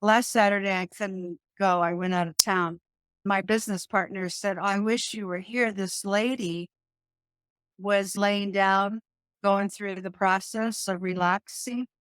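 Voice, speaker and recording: A middle-aged woman, a yoga teacher and hypnotist, talking animatedly in an interview, often laughing and restarting her sentences, with a calming voice. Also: mid-range voice, a little slow, smooth, no echo. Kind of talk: conversational interview.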